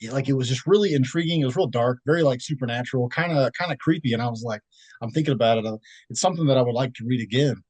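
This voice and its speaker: A man's voice: mid-range voice, very fast, darkish tone, no room sound. A young man from Texas, a podcast guest chatting in a rambling, laid-back way with many fillers and restarts. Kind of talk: casual interview chat.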